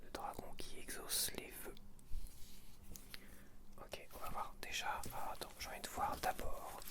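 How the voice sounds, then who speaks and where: A man speaking in an unvoiced whisper, chatting casually and informally in a rambling, self-correcting ASMR style. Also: measured pace. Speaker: ASMR video creator.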